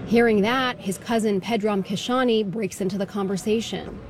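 A woman radio reporter narrating a news feature in a measured way. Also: medium pitch, background noise.

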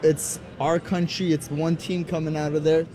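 A man's voice: fairly high pitch, level tone, normal speed, dark tone. A man speaking firmly and proudly about supporting his team. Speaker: sports fan.

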